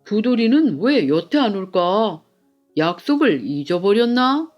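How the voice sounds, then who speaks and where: A woman voicing an earnest, loyal gentleman scholar in a children's folktale, with expressive old-fashioned speech. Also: mid-range voice, unhurried, lo-fi sound, faint music behind. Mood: wondering. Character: earnest young scholar turned official, loyal to friends. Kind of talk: children's storybook character voice.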